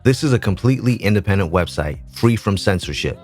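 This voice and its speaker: Man, very deep voice, steady promotional read, channel outro, faint music behind. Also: fast talker. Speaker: channel host.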